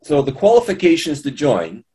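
A man's voice: on the high side, huge pitch swings, moderate pace, mellow. A man with a Canadian accent hosting an interview, asking short questions. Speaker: host.

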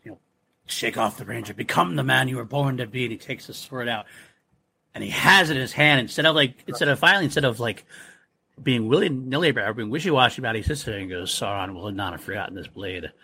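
A man's voice: medium pitch, expressive, fast talker, gravelly, pushed and bright, slight background noise. A man co-hosting a podcast, chatting animatedly about a film, laughing often and acting out characters' lines. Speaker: podcast co-host. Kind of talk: casual film discussion.

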